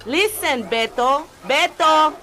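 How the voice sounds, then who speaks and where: A woman's voice: high voice, lively intonation, slow, pushed and bright, slight background noise, heavily acted. Woman playing a doting, bossy Hispanic mother. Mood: firm, hurried. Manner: motherly, instructing. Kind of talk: radio drama acting.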